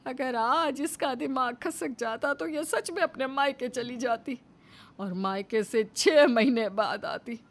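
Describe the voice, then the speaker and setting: A woman's voice: high-pitched, unhurried. A woman voicing a grumbling, dramatic elderly mother-in-law in a cartoon story, scolding with theatrical sighs. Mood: relieved.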